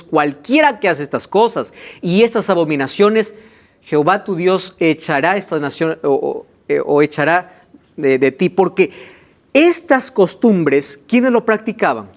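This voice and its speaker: A male pastor preaching a sermon and reading Bible passages aloud, stressing key words by drawing them out. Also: fairly high pitch.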